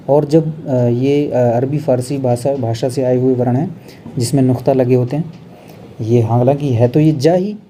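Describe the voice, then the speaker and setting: A man teaching an exam revision lesson on Hindi grammar, explaining step by step and slowing down to show how words are pronounced. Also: a little high, mellow, slight background noise. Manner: explains step by step, often adds "bhai" and "hai na"; drawn-out, slow when showing pronunciation.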